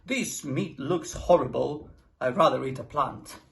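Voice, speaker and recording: Woman doing gentle young tyrannosaur boy, plaintive, earnest, higher voice, slow, storybook. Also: creaky, full character voice. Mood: apologetic. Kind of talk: storybook read-aloud.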